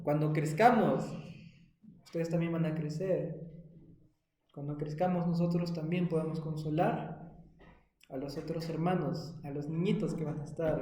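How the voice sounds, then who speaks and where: A man's voice: on the high side, warm tone, reverberant. A man with a Peruvian Spanish accent teaching a Sunday school Bible lesson to children, often asking them questions. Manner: asks the children frequent questions.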